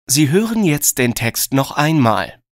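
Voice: mid-range voice, sing-song, measured pace, no echo, clean studio sound. A narrator reading scripted listening test instructions in a formal, neutral manner. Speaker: exam narrator.

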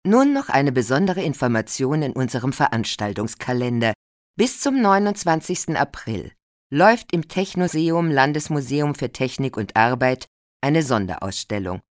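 Low female voice, lots of melody, actress as radio presenter reading event tips, dry studio sound. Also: sing-song, moderate pace, dry recording. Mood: informative. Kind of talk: scripted radio event announcement.

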